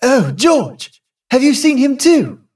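A frightened young married woman in a haunted house, voiced by a male reader. She speaks up high and anxious, in a pleading, breathless tone. The voice is heard a little away from the mic. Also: lively intonation, normal speed, a little mellow, husky, far from the mic.

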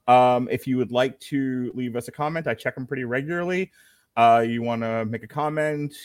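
A man's voice: mid-range voice, no echo, studio quality. A man hosting a live fight-night stream, chatting casually with jokey asides and frequent laughs. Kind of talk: casual live commentary chat.

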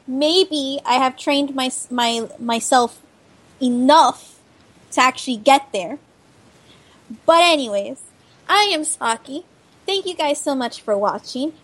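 A woman hosts a casual gaming podcast in a high voice. She sounds tired and rambles through her sign-off plugs. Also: fairly bright tone. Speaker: podcast host. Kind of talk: casual chat.

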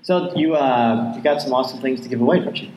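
A man's voice: medium pitch, fast talker. A man hosting a live fan event, talking casually to guests and audience from a stage. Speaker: host of a live fan panel. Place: indoor convention stage before an audience. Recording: roomy live event space, background noise.

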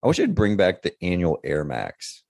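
A male podcast co-host with a very deep voice talks in a casual, rambling way. The sound is dry, with no room around him. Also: huge pitch swings, moderate pace, gravelly, a little mellow, no room sound. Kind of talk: casual chat.

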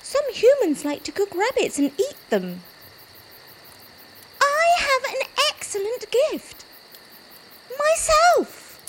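A woman voicing a small, gentle male rabbit in a storybook tale, earnest and wistful. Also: very high-pitched, very animated, takes it slowly, long pauses, noisy background, pitched above the performer's own voice, full character voice.

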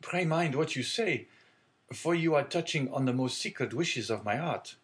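A man reading aloud and voicing an earnest, respectful young sailor who speaks gravely and eagerly. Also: on the high side, animated, normal speed, close to an everyday voice. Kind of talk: audiobook character reading.

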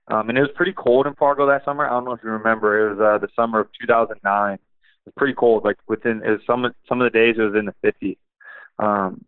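A young man, an assistant wrestling coach, talking in a relaxed, rambling way with many fillers, in a podcast interview over a phone line. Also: lowish voice, clean tone, dry recording. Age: young adult.

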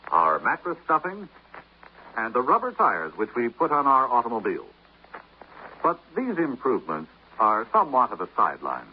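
A man reading a scripted public service announcement on the radio, in a conversational, explaining manner. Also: medium pitch. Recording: dull old radio recording with faint noise.

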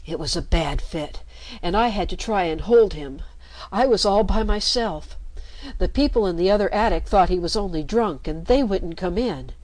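A woman's voice: lowish voice, expressive, moderate pace, a little mellow, no room sound, voice pushed up, lightly acted, low-quality recording. A woman voicing a crippled street boy who is shaken and grieving, speaking in a trembling voice. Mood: weak. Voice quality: trembling, shaky.

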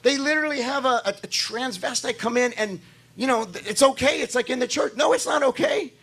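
Hoarse male pastor, high-pitched, repetitive and emphatic preaching style. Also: brisk, a bit bright. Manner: talks to the congregation directly, asking for amens. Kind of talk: sermon.

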